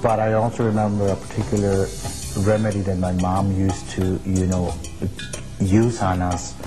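A man from Texas recalling his family's home remedies, speaking haltingly with many fillers. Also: sits low, little pitch movement, over music. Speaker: interviewee. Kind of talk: personal recollection.

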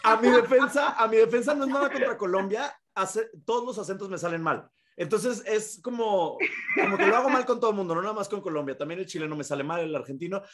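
A man's voice: high voice, quick pace, a crowd in the background. A man co-hosting a live podcast, chatting in a playful, self-mocking way. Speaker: podcast co-host.

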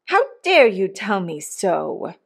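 A woman's voice: a little high, big pitch swings, slow, a bit bright, voice pushed up, full character voice. A woman voicing a haughty, easily affronted upper-class mother in a storybook, speaking in a pompous, imperious manner. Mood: scolding.

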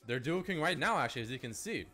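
A man's voice: mid-range voice, animated, fast, sharp tone, slight background noise. Man explaining a ranked match. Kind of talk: casual gameplay commentary.

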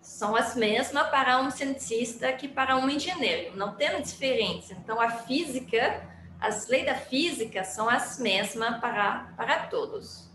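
A woman with a Quebec French accent gives a halting academic talk over a laptop microphone, full of fillers and restarts. Her voice sits a little high. The room is echoey, with faint background ambience. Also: lively intonation, sharp tone, slight background noise. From Montreal, Canada. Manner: hesitant, many fillers and restarts. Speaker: guest speaker, engineering physicist. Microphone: laptop mic on a video call.

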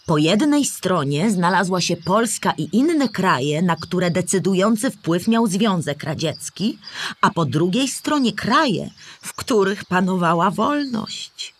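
A woman's voice: lowish voice, expressive, slow pace. A woman playing a kindly old storybook animal who patiently explains history to a child in a children's audio play. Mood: patient, explaining. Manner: patient, clear explaining in simple words.

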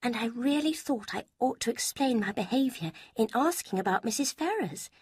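A woman voicing a sly young woman who gushes secrets in a sweet, breathy way, with a husky tone. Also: a little high, expressive, normal speed, a little mellow, dry recording, studio quality, pitched above the performer's own voice. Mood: confiding.

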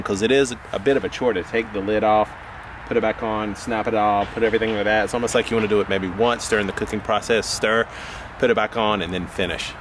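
Man in his thirties, casual backyard vlog, lowish voice, relaxed and chatty, steady outdoor noise behind. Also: far from the mic. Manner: relaxed and chatty, with loose restarts. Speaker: host.

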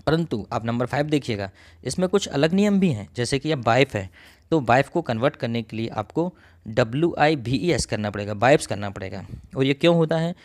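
A man's voice: mid-range voice, expressive, a little fast. Man explaining grammar step by step. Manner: explains step by step, repeats himself, often clears his throat. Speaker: English grammar teacher. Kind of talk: recorded coaching lesson.

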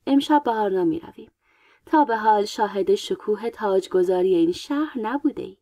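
A woman reading a story aloud, voicing a proud, vain young queen in a lightly brighter tone. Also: medium pitch, expressive, no echo, natural voice. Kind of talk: audiobook character voice.

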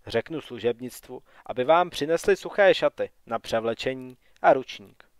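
A gracious noble lady of a castle, read by a man narrator. Her lines come softly and politely. The sound is dry and close to the mic. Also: medium pitch, expressive, no room sound, close to an everyday voice.

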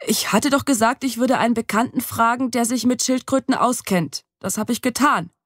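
A woman's voice: fairly high pitch, normal speed, dry recording, voice pushed up, close to an everyday voice. A woman reading an audiobook, voicing a nervous young man who hesitates and then explains at length. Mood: explaining. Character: young man, nervous know-it-all friend. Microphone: close studio mic. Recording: dry studio.

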